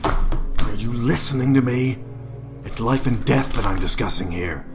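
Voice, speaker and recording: An actor playing a grim, menacing, weary vigilante hero in a radio drama, speaking with slow intensity. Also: male voice, medium pitch, natural voice. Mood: grave, measured. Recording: dramatic music behind the voice.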